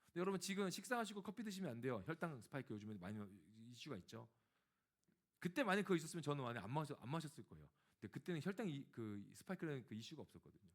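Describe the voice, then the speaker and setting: A man's voice: a little high, rapid-fire. A male pastor preaching a sermon, telling a personal story and speaking directly to his congregation. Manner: animated storytelling, acting out dialogue.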